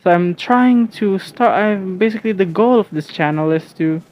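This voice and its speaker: A man's voice: high-pitched, moderate pace, muffled recording. A young man from the Philippines whose first language is Filipino, rambling casually and hesitantly at home with many restarts and fillers. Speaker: vlogger.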